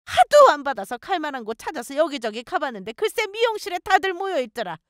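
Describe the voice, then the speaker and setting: A woman voicing a bossy, spiteful older mother-in-law who yells and scolds in a shrill voice. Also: animated, normal speed, no room sound, studio quality. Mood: furious.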